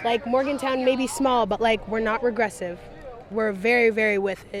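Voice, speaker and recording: Crowd noise sounds behind a woman. Her voice is fairly high, with fairly even intonation. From Canada. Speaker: protester. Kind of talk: street interview.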